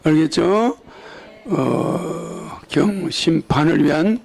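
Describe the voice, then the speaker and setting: High, gravelly older preacher with a Gyeongsang accent. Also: male voice, expressive, drawn-out words, a little mellow. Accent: Gyeongsang Korean. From Gyeongsang region, South Korea. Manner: rambling, keeps checking with rhetorical tag questions. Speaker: religious leader. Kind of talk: sermon.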